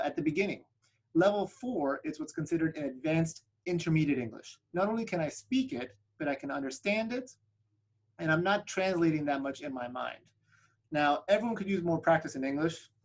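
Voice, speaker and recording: A flight school representative, an upbeat man whose first language is Spanish, presents slides to a webinar audience over a video call. His voice is a little high for a man, and his sales pitch is peppered with a quick "right?"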